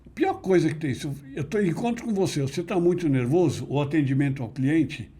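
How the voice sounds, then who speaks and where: A middle-aged man speaks in a husky, mellow voice, slightly high for a man. He explains patiently and didactically, leaning on key words for emphasis. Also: animated, fairly quick. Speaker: interview guest, NLP teacher. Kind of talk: conversational explanation.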